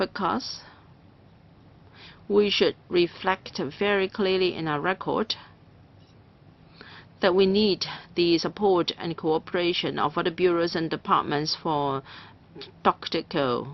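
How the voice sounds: A woman with a fairly low pitch talks at a slow pace, keeping fairly even intonation and leaving long, frequent pauses.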